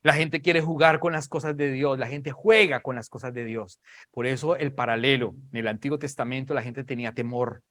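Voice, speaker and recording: Preacher, dramatic and emphatic. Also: male voice, mid-range voice, normal speed, fairly bright tone. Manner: dramatic, acts out Bible scenes in raised voices; repeats phrases for emphasis. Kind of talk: sermon.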